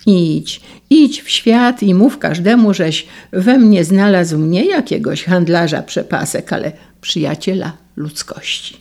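This is a low, dark-toned old blindfold seller from a storybook. He gives patient, earnest advice in a warm and persuasive way, with a gravelly edge to the voice, as a woman reading aloud voices him. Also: takes it slowly, few pauses. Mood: earnest counsel. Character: old male blindfold maker, gently persuasive.

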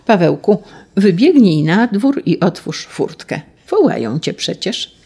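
A storybook reader voicing a pious, grateful old village grandmother who speaks fervently and slowly. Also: mid-range voice, big pitch swings, mellow, husky, voice pushed up, full character voice. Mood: urging.

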